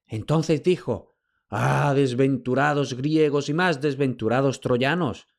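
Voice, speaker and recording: A man's voice: mid-range voice, gravelly, voice pushed up. A man voicing a doddering, fawning old male slave who stammers and pants out his words. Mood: bewildered. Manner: breathless, stammering, slow.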